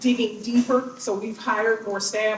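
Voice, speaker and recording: An American accent comes through at a moderate pace, with noticeable background noise behind it. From US Midwest, North St. Louis. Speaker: city official. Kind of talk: town hall answer to public.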